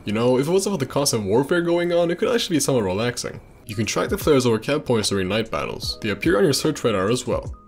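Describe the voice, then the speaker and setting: A man's voice: mid-range voice, very animated, fast talker, hardly any pauses, faint music behind. A man reading scripted narration for a video game trivia video.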